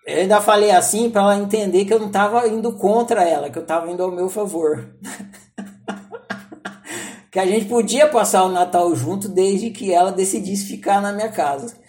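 A man, a spiritual teacher, telling a personal story in a lively, animated way, acting out his inner dialogue. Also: sits high, normal speed. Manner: animated, acts out inner dialogue, frequent fillers. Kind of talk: storytelling talk.

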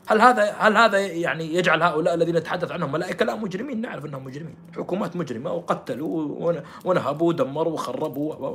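A man giving scornful, rhetorical political commentary. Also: on the high side. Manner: scornful, rhetorical, jumps between loud and quiet.

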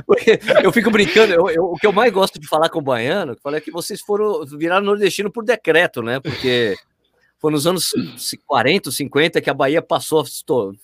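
A man's voice: fairly high pitch, sing-song, a little fast, fairly bright tone, a little hiss or hum. A man from Northeast Brazil hosting a casual interview, joking and informal. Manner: jokey, informal, says "cara" often. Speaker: host.

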